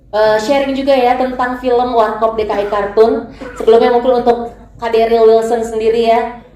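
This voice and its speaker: A woman's voice: a little high, a little mellow. A woman hosting a press conference, polite and formal as she introduces guests and guides questions. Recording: echoey room.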